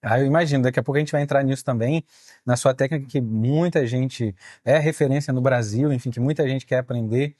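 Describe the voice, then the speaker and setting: A man with a Brazilian Portuguese accent hosting an interview podcast and asking his guest questions in a friendly, quick way. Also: mid-range voice, darkish tone, no echo, studio quality. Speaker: podcast host.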